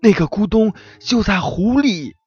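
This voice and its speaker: A man's voice: high voice, lively intonation, drawn-out words, bright, forceful tone, slightly rough, no echo, muffled recording, pitched above the performer's own voice, heavily acted. A man doing a panicky little white rabbit. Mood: fearful. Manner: breathless, alarmed.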